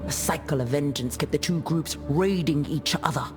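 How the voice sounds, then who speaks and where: An actress playing a proud, solemn dead female warrior chieftain in a video game, telling tribal lore in a measured, formal way. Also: sits low, music in the background, lightly acted. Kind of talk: video game character monologue, storytelling.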